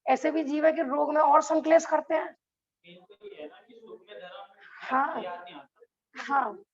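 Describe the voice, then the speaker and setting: A woman with a high, gravelly voice leads a religious class. She keeps turning to her listeners with rhetorical questions and laughs between her points. The recording sounds dull and lo-fi. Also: slow pace. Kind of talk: lecture to a class.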